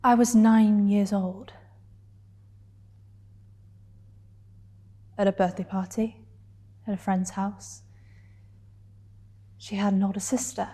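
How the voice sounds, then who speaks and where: A woman performing a dramatic stage monologue as a hurt, defiant gay woman confronting her partner, deliberately and with heavy pauses. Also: medium pitch, level tone, dark tone, natural voice. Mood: hushed, confessional.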